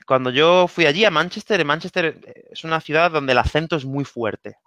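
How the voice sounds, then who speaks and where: A man with a Spanish accent from Spain, giving language-learning tips in a casual online interview, lively and repeating himself for emphasis with frequent "¿vale?". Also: fairly high pitch, fairly quick, dry recording.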